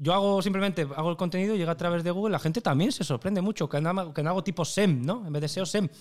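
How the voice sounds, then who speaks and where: A man's high-pitched voice at a very fast pace, with hardly any pauses, very even loudness and ordinary pitch variation. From Basque Country, Vitoria. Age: 30s. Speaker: cook and online content creator. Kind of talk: interview.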